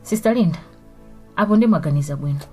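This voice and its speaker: Radio drama role: probing, concerned Malawian woman friend, quick and soft-edged, insistent. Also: low voice, animated, breathy edge, soft background music. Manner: questioning, insistent. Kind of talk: vernacular radio drama acting.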